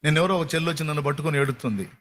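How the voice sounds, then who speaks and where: A man's voice: a little high, racing, a bit bright. A male pastor preaching a sermon in a colloquial, repetitive style, firing rhetorical questions at his congregation.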